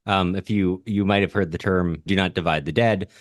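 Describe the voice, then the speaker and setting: A man's voice: low voice, fairly even intonation, normal speed, dry recording, clean studio sound. A man co-hosting a literary podcast, explaining things informally with hesitant, self-correcting phrasing. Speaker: podcast co-host. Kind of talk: casual literary discussion podcast.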